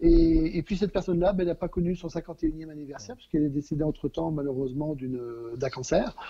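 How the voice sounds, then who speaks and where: The man's tone is dark and mellow, with a fairly high pitch. He speaks at a very fast pace with ordinary pitch variation. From France. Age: 50s. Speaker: guest innkeeper, former company president. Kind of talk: interview.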